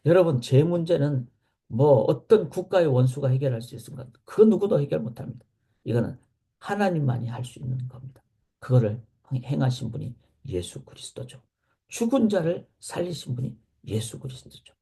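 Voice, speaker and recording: Gravelly earnest Korean pastor preaching. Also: male voice, a little high, lively intonation, moderate pace. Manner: earnest preaching, rising to emphatic questions then dropping to soft near-whispers. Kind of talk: morning prayer meeting sermon.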